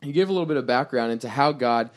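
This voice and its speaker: A man's voice: medium pitch, quick pace. A man, a pastor hosting a casual podcast interview and asking friendly, open questions.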